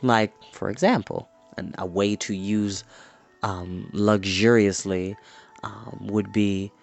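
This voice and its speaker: A man's voice: fairly low pitch, fairly even intonation, slow, gravelly, soft background music. A man reading a story aloud expressively, with informal, chatty asides to listeners. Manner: informal, explains words to listeners.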